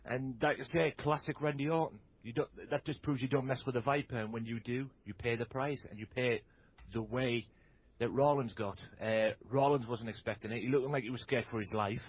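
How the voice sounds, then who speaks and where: A man talking as a guest on a casual wrestling podcast, excitable and stumbling over repeated words. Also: medium pitch, a little fast, dull audio. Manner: excitable, stammers on restarts.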